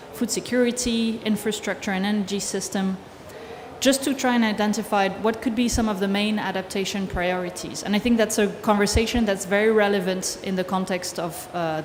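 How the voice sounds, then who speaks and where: A woman in her thirties giving a measured, explanatory presentation at a podium in a large conference hall. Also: mid-range voice, a little hiss or hum. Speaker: conference panel speaker. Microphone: podium microphone from a distance. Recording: roomy hall reverb, faint ambience.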